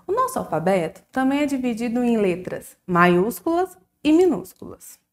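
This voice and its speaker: A woman teacher with a Brazilian accent giving a recorded lesson to young children, slow and sing-song, drawing out syllables. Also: fairly high pitch, sing-song. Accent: Brazilian Portuguese.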